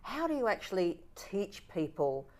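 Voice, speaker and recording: A woman's voice: medium pitch, sing-song, normal speed, darkish tone. A woman hosting an interview, asking probing, chatty questions. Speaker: interview host.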